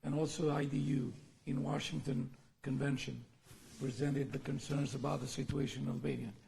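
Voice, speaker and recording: A man with a hoarse voice, making a steady formal statement at a meeting and listing points. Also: medium pitch, normal speed. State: hoarse, lost voice. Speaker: politician adding remarks.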